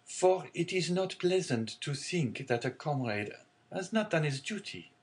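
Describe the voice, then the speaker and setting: A man's voice: a little high, expressive, a little slow, voice pushed up. A man doing a sly scheming ship's officer. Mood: insinuating.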